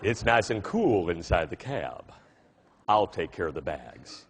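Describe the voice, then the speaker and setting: A man imitating a friendly, easygoing male cab driver with a Texan accent, speaking in a slow, low drawl. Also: big pitch swings, a little hiss or hum, heavily acted. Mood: friendly, relaxed.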